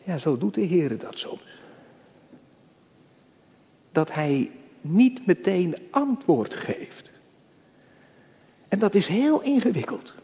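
A male pastor preaching a slow, emphatic sermon, swelling loud and dropping to a hush. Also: high voice, sing-song, breathy edge. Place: church. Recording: muffled, lo-fi church reverb.

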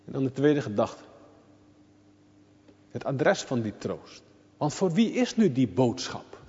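A man preaching a sermon in a church, swinging between loud, drawn-out calls and quiet, confiding asides. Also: mid-range voice, very animated. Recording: dull lo-fi recording with long church reverb.

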